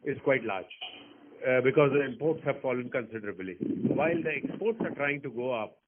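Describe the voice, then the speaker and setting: A man's voice: mid-range voice, lively intonation, brisk. A man, a company executive giving a clarifying explanation on a conference call. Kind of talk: explanatory earnings call answer. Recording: noisy narrowband phone conference line.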